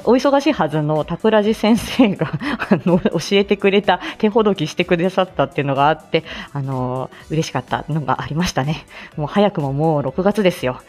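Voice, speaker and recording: A woman hosting a casual solo live stream, chatting in a relaxed way, filling pauses with small hesitations, laughing lightly, and greeting listeners by name. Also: fairly low pitch.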